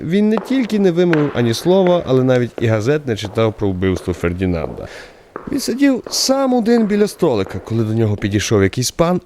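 A man of medium pitch narrates a radio play with theatrical flair. His phrases rise and fall widely, in a polished literary storytelling manner. The recording carries faint noise and small clicks. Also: mellow. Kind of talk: expressive scripted literary narration.

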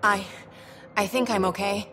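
A woman's voice: mid-range voice, steady tone, measured pace, sharp tone, a little hiss or hum. A woman voicing an eager, defiant young alien little sister in a video game, earnest and defensive. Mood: shaken, earnest. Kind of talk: dramatic video game acting.

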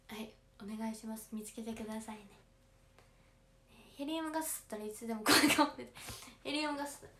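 Kansai teen girl reading fan comments on her stream, kinda echoey room, faint noise in the back. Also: high-pitched. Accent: Kansai Japanese. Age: late teens. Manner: chatty, reads viewer comments aloud and answers them politely. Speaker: idol audition candidate livestreaming to fans. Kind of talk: casual livestream chat. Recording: roomy, faint background noise.

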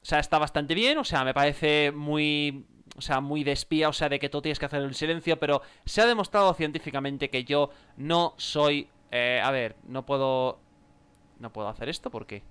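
A man's voice: a little high, moderate pace, a bit bright, clear, resonant tone. A young man with a Spain Spanish accent commenting his gameplay, exclaiming and joking, improvising mock chatter with game characters. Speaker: gameplay video creator.

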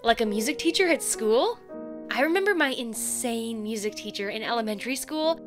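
A woman's voice: a little high, lively intonation, moderate pace, over music, lightly acted. A young woman acting a bubbly, chatty college theater student in an audio drama, with a breezy, chirpy manner. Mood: chatty, upbeat. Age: young adult.

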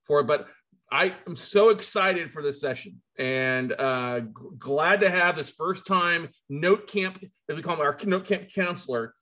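Bright, higher-pitched American man hosting. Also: a little slow. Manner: effusive, rambling, jokey. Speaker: host of an online conference. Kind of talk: casual, upbeat hosting. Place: indoors, video call with virtual background.

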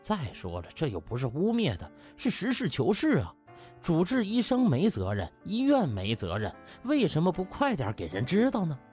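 A man's voice: fairly high pitch, huge pitch swings, normal speed, darkish tone, soft background music, voice pushed up. A man voicing an agitated, impatient male hospital administrator in an audiobook, urgent and pressing. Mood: impatient urging.

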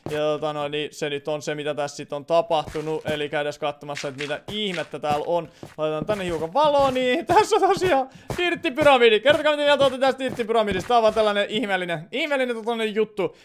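A man's voice: on the high side, few pauses, slight background noise. A man doing live gameplay commentary on a stream, rambling and chatty, answering viewer comments with sudden startled outbursts.

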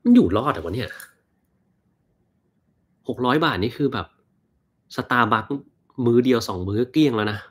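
A man in his thirties hosting a casual livestream Q&A, reading viewer comments and answering in a relaxed, chatty way full of fillers. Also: mid-range voice, moderate pace, pauses often, husky. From Thailand. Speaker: doctor and livestream host.

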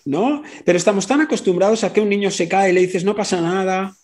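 A man's voice: high-pitched, fast. A man speaking as host of a casual conversation, talking colloquially and acting out quoted speech. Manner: animated, acts out quoted speech with shifting voice; colloquial, uses mild swearing.

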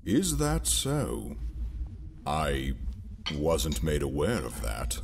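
Guarded, learned male imperial governor, played by an actor, slow, deep and formal, audio drama. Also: wildly swooping pitch, creaky, background noise, exaggerated voice. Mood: guarded courtesy. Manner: formal, deliberate, clipped defensiveness.

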